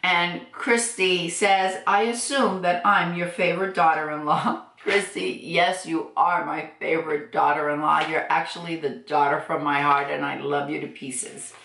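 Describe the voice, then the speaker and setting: A woman's voice: deep voice, fairly even intonation, measured pace, creaky, fairly bright tone. Chatty woman in her sixties, roomy echo. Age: 60s. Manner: chatty, laughs often, frank. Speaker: beauty vlogger. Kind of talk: casual chat reading viewer comments. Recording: echoey room.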